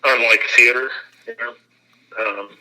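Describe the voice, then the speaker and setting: A man, an actor, giving a relaxed and self-deprecating interview, laughing often as he talks. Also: medium pitch, unhurried, poor audio.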